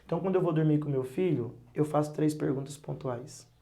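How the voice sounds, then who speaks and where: Speaking briskly with vocal fry, a pastor and psychologist appears as a podcast guest, his voice a bit higher than most men's. He tells lively family stories, acting out the parents and children in them, and gives earnest, direct advice.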